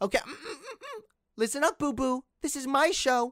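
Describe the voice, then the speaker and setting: A female-sounding voice uses a put-on character voice pitched high. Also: moderate pace. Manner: condescending, smug.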